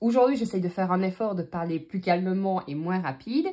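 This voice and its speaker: A woman with a dark, mellow tone speaks at a medium pitch with lively intonation. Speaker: budgeting vlogger. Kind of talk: casual tutorial vlog. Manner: mumbles words.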